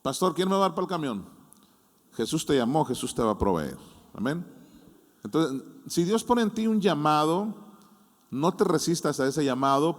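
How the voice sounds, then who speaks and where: Mexican pastor preaching in a reverberant hall. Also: male voice, medium pitch. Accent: Mexican Spanish. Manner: conversational preaching, acts out congregants' doubts with humor. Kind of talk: sermon. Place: church hall.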